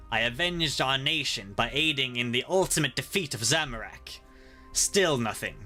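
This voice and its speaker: A man's voice: medium pitch, sharp tone. A man voicing a weary, ancient male spy director, delivering a dry, exasperated monologue.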